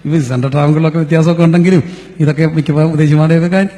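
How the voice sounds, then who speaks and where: A man's voice: on the high side, steady tone, very fast, dark tone. A middle-aged man from Kerala, preaching a sermon as a pastor, telling playful stories to the congregation. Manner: storytelling, playful, addresses the crowd as children. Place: church or convention hall. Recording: long hall reverb.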